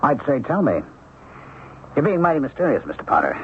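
An actor playing an affable but firm police lieutenant in a radio mystery drama, plain-spoken and official. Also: male voice, fairly high pitch, wildly swooping pitch, brisk. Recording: muffled, noisy old radio broadcast.

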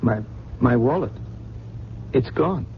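A man's voice: mid-range voice, lively intonation, slow. An actor playing a polite, bewildered man with no memory, speaking hesitantly and earnestly in a radio drama. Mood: hesitant, searching. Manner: hesitant, earnest, well-spoken. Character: polite, bewildered gentleman who has lost his memory. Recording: dull, noisy old radio broadcast.

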